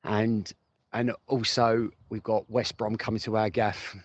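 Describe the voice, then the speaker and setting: A man's voice: fairly low pitch, level tone, a little slow, no echo. A man gives informal football fan reaction, chatting and thinking aloud, repeating phrases for emphasis. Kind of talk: informal voice note commentary for a fan podcast. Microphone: phone voice message. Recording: muffled lo-fi voice note, noisy, clicks.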